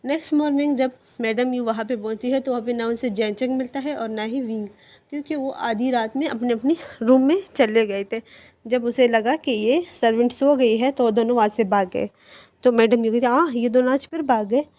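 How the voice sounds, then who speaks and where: A woman's voice: a little high, normal speed, dark tone. A woman casually retelling a fan-fiction story in a chatty way, with many fillers.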